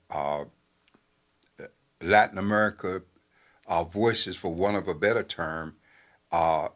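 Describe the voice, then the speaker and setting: An older man, a newspaper editor, giving talk-show commentary in a measured, halting way with many fillers. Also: low voice, a bit bright.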